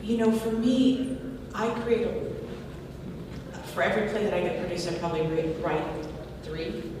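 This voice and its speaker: A woman's voice: fairly low pitch, flat delivery, measured pace. A woman from Palestine, a playwright on a panel, talking earnestly and reflectively, thinking aloud with restarts. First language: Arabic. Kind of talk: panel discussion. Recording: echoey hall, distant mic, background noise.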